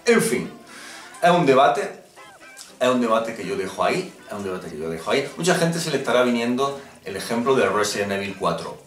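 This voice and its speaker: A man from Spain with a Spanish accent ranting sarcastically about gaming news, humming and pausing often. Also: medium pitch, very animated, recorded from a distance, faint music behind. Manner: mock-outraged, sarcastic, many drawn-out hums. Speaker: gaming vlogger. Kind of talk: satirical gaming news rant. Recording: echoey room, off mic.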